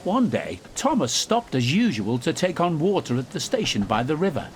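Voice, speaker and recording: A man's voice: on the high side, very animated, normal speed, slight background noise. A man narrating a scripted children's story as its storyteller.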